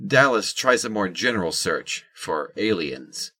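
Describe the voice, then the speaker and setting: A man reads scripted narration for an audio drama. His voice is low and bright, with clear forward projection as he describes the action. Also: sing-song, measured pace.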